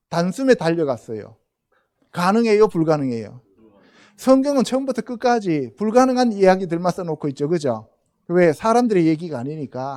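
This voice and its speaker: A man's voice: sits high, dark tone. A man preaching a Sunday sermon as pastor, often asking the congregation rhetorical questions and calling on them directly. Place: church sanctuary.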